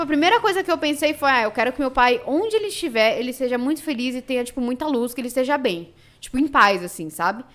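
Brazilian woman, fairly high voice, candid emotional storyteller for a casual podcast chat. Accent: Brazilian Portuguese. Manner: emotional, animated storytelling with many fillers. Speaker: podcast guest.

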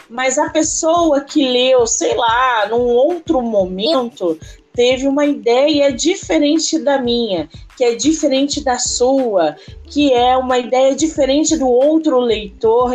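A woman's voice: fairly high pitch, darkish tone. A Brazilian woman hosting a casual podcast interview, speaking informally and effusively.

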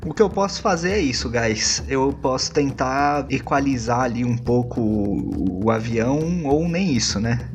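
A man's voice: medium pitch, lively intonation, unhurried, hardly any pauses, noisy background. A man with a Brazilian accent chatting casually as a player in a tabletop game, thinking aloud in hesitant questions.

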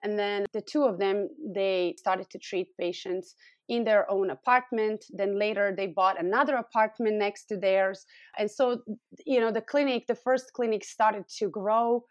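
A woman's voice: mid-range voice, steady tone, normal speed, no echo, lo-fi sound. Serbian-accented woman explaining, very dry sound. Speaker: guest expert, scoliosis clinic founder and physiotherapist. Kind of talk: explanatory interview talk.

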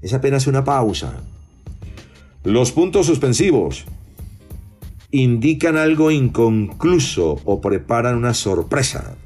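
A man's voice: mid-range voice, sing-song, slow, long pauses, a little mellow, slightly rough, soft background music. A man teaching voice-over reading in a podcast lesson, demonstrating intonation with his own voice.

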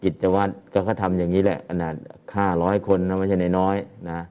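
A man's voice: low-pitched, level tone, brisk, mellow, clean tone. A man teaching Pali translation to a class and explaining patiently, often repeating his phrases.

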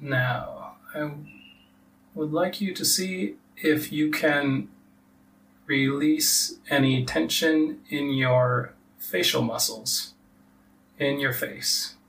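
Slow, gravelly man guiding meditation. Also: a little high. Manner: slow, soft instructions with long pauses. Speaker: meditation teacher leading a weekly group. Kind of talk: guided body relaxation meditation. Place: live group meditation session. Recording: distant mic with faint background noise.

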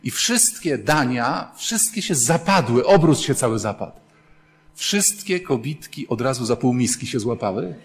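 A man's voice: medium pitch, animated, unhurried, a little hiss or hum. A man preaching as a priest, telling humorous stories with animation and acting out the voices of the people in them. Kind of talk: sermon.

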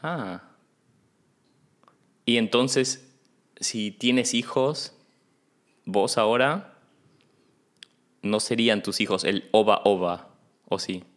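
A man's voice: lowish voice, slow, pauses often. A man with a Rioplatense Spanish accent hosting a podcast in a casual chat, asking easygoing questions. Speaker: podcast host.

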